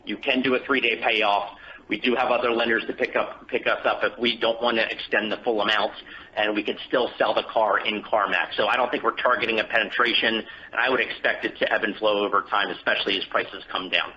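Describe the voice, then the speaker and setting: A man speaking as a finance executive on an earnings call, giving measured, careful answers. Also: on the low side, fairly even intonation, pushed and bright. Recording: dull conference call line with hiss.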